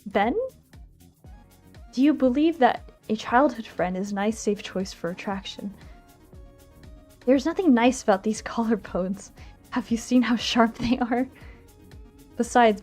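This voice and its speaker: A woman streamer reading a visual novel aloud on a livestream, expressive and giggly, stumbling over lines and making asides to chat. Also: on the high side, normal speed, long pauses. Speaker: streamer, VTuber. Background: game music.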